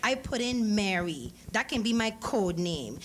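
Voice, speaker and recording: A woman's voice: mid-range voice, very animated, a little slow. Woman voicing a coaxing, slangy young man. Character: smooth-talking, persistent young man courting a girl. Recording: clearly noisy live event recording.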